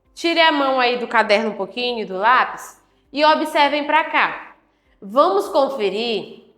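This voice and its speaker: A woman teacher with a fairly high voice speaks very slowly, sounding out each syllable and checking in with her students. She is recorded in an echoey room with faint music behind her. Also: bright, forceful tone. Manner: slow, clearly syllabled, encouraging questions to students. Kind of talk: slow classroom lesson for adult learners.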